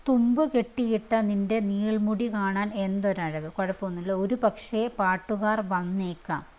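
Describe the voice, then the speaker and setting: A woman's voice: medium pitch, fairly even intonation, moderate pace, a little mellow. A woman teaching, going through exam questions one by one and repeating each question and answer in a conversational way. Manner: fillers and restarts, conversational.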